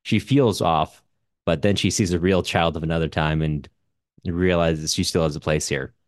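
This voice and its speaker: A man co-hosting a book podcast in casual discussion, halting and correcting himself as he thinks aloud. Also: low-pitched, fairly even intonation, no room sound, studio quality. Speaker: podcast co-host.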